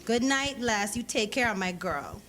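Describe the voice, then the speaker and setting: A woman's voice: mid-range voice, lively intonation, measured pace, a bit bright. Woman reader as young male sweet-talker, persistent, slangy, familiar, storybook dialogue over audible noise. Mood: coaxing. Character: smooth-talking, persistent young man courting a girl. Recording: clearly noisy live event recording.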